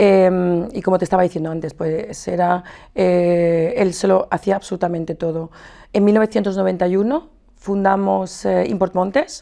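A woman with a dark, mellow tone talks at a fairly slow pace against a quiet background, her pitch varying in an ordinary way. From Germany-born, Spanish family (Andalusia); Germany. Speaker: business owner. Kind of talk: interview. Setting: TV studio. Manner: halting. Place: studio. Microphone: lapel.

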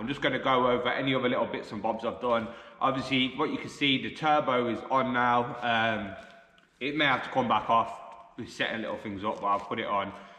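The speech moves at a fairly quick pace. Room echo is audible, and the intonation stays fairly even. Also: man. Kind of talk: casual vlog update. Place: workshop. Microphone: camera far.

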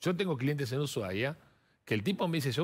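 This man talks fairly quickly with fairly high pitch, vocal fry, and very wide pitch swings. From Argentina. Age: 50s. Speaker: businessman; guest. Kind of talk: casual chat. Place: studio. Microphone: headset.

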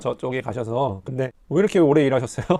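A man speaks here. His intonation is lively and full of movement. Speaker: automotive engineer and recruiter giving career advice. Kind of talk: live stream chat with viewers. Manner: animated.

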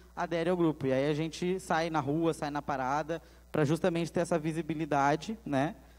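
A man talks with fairly even intonation. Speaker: moderator and activist; moderator. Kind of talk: panel moderation. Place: stage. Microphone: handheld.

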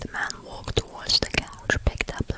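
Whispering over noticeable background noise. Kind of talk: ASMR whispered story reading. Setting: close-mic home recording. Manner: whispered, up close.

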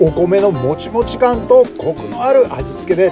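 Clear background music under a dry sound with no echo. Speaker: ramen review host. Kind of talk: food review narration.

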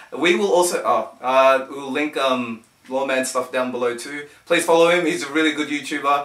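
With an Australian accent, a man speaks at a moderate pace with fairly even intonation and hardly any pauses, with audible room echo around him. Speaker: sneaker YouTuber. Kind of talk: casual chat. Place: home room. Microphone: camera far.

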